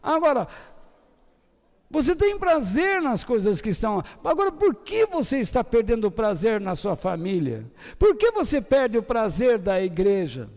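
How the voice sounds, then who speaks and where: An older man with a Brazilian Portuguese accent preaching a sermon, swinging between loud high bursts and soft low trailing ends. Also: huge pitch swings, normal speed. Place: church hall. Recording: long church hall reverb.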